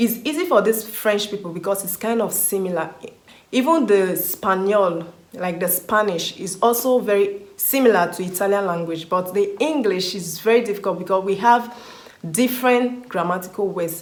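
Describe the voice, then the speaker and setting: A woman's medium-pitched voice with a strong Nigerian accent, ordinary pitch variation and a moderate pace, over noticeable background noise and audible room echo. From Nigeria, Ekiti State (Yoruba). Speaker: YouTuber. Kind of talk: casual Q&A vlog.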